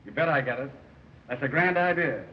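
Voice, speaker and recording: An actor playing an eager suitor and partner in crime in an early talkie film. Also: male voice, medium pitch, animated, fairly quick, slight background noise, close to an everyday voice. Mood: eager, conspiring. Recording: distant, muffled 1920s film soundtrack.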